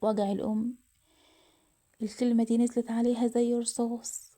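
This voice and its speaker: A woman's voice: a little high, level tone, moderate pace, warm tone. A woman with an Egyptian accent narrating a moral family story, emotional and often half-whispered. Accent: Egyptian Arabic.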